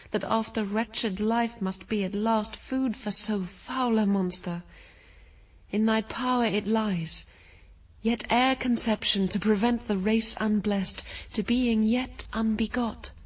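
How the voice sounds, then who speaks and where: An actress playing a despairing, penitent wife, speaking formal verse with mournful passion in a classical radio drama. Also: female voice, fairly high pitch, distant mic, poor audio. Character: Eve, the first woman, despairing, penitent wife.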